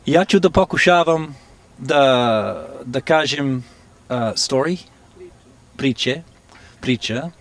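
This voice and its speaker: A man telling stories in an interview, halting and searching for words, often laughing. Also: medium pitch, animated. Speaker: interviewee, musician. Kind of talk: casual storytelling interview.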